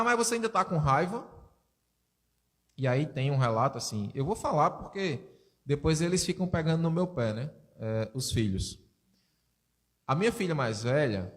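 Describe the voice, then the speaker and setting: A man's voice: mid-range voice, expressive, moderate pace. A man giving a spiritist sermon, telling stories and asking his audience rhetorical questions. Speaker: spiritist lecturer.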